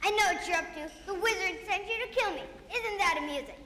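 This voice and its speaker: A very high, bright-voiced wicked witch, acted by a woman gloats and mocks theatrically. It is a stage play villain, heard in an echoey hall. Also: a little fast. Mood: mocking. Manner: theatrical, mocking. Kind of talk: children's stage play acting. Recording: echoey hall from off, faint noise.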